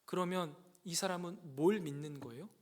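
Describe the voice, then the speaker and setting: A man preaching a sermon to young adults, earnest and full of rhetorical questions, building louder on key points. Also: fairly high pitch, normal speed. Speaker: pastor. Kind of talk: sermon to a youth congregation. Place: church sanctuary. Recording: church hall reverb.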